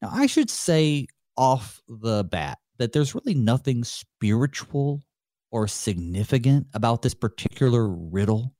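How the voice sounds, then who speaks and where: A man's voice: medium pitch, big pitch swings, unhurried, warm tone, dry recording, studio quality. A male pastor hosting a solo Bible study, talking it through in a conversational way, thinking aloud with light chuckles. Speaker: pastor and host.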